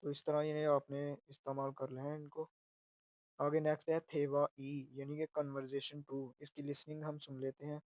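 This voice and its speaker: Steady, even-toned male language teacher. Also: on the high side, moderate pace, no echo. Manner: patient, repeats and explains word by word. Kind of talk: explaining Korean exam lessons.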